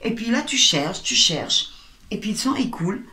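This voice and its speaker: Animated woman guest in echoey room. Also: medium pitch, normal speed. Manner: animated, acts out little everyday scenes. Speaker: sound healer and spiritual guide. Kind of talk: interview guest.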